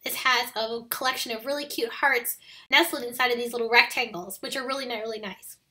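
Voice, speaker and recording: A woman with a raspy, scratchy voice after being sick, recording a friendly step-by-step voiceover for a card-making tutorial. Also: a little high, steady tone, fairly quick, pushed and bright. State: raspy voice from recent illness. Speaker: card-making video host.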